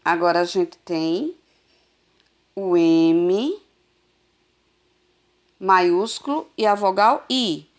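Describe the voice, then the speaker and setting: A woman teacher giving a recorded adult literacy lesson over a phone, sounding out syllables slowly and patiently. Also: on the low side. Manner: slow, patient, drawn-out syllables.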